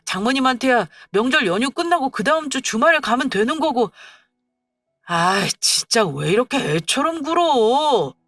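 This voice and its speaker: A woman's voice: sits high, sing-song, normal speed, a bit bright, dry recording, clean studio sound, faint music behind, exaggerated voice. A woman voicing a petulant young husband who scolds and whines in an exasperated way.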